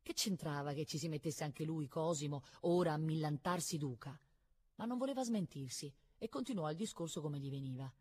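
A woman reading a novel aloud in a calm, measured narrating voice. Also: deep voice, a little hiss or hum. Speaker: reader.

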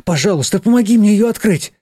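A man voicing a frantic, bossy teenage girl who talks fast, pleads and shouts. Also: high voice, animated, no echo, clean studio sound, voice pushed up. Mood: pleading.

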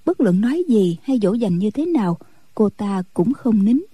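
A woman reading a martial-arts storybook aloud in a steady, even-paced narration. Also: medium pitch, moderate pace, breathy edge, dry recording, rough recording. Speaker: audiobook narrator.

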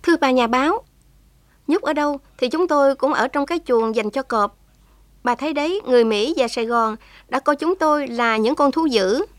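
A woman's voice: sits high, moderate pace, no room sound, pitched above the performer's own voice, natural voice. A woman voicing a young heroine who is daring and tender, pleading with feeling. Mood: impassioned. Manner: impassioned, tearful pleading.

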